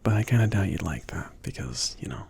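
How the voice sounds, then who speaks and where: A man playing a bashful, indulgent mage shopkeeper in an intimate ASMR roleplay, speaking in a breathy, gravelly half-whisper with a hesitant, gently teasing, rambling manner. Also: low-pitched, animated, a little fast, exaggerated voice. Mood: shy, playful. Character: soft-spoken, bashful, easygoing male mage shopkeeper, indulgent.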